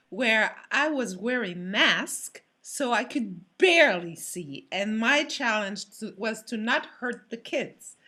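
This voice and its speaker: A woman with a medium-pitched voice talks casually as a guest in an interview. Her English phrasing is halting and slightly non-native, built up piece by piece. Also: fairly bright tone. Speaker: stage actor, panel guest.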